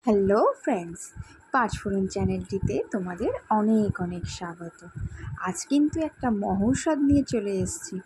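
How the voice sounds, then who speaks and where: A woman's voice: medium pitch, darkish tone, slight background noise, poor audio. A woman hosting a cooking channel, giving a home remedy tutorial and talking straight to her viewers in a friendly way. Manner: friendly, addresses viewers directly.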